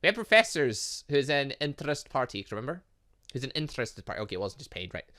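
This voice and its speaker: A male gaming host with a bright, forceful voice. His pitch moves around a lot as he reads game text aloud and drops in chatty comments. He occasionally stumbles on a word and carries on. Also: very animated, quick pace. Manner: stumbles over long words, chatty asides. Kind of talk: let's play, reading game dialogue aloud with commentary.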